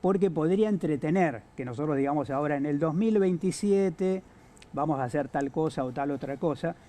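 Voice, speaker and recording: A man with an Argentine accent, giving analysis on a political talk show, halting with many fillers and restarts. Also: fairly high pitch, mellow. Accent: Argentine Spanish. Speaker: guest analyst.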